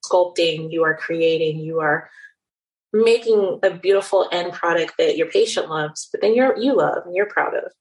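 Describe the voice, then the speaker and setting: Reflective woman, low voice, American accent. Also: moderate pace, rough recording. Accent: general American. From Nigeria and the Netherlands. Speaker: cosmetic surgeon guest. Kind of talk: interview conversation.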